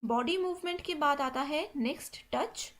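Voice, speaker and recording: A woman's voice: sits high, normal speed. A woman teaching an exam-prep lesson, mixing English terms into Hindi and checking in with "theek hai" after each point. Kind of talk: explaining exam questions.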